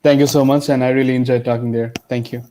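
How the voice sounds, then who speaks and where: Halting mid-pitched man answering tech questions. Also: little pitch movement, mellow, slight background noise. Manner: halting, peppers sentences with "like". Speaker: guest speaker, AI developer. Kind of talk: informal question-and-answer explanation.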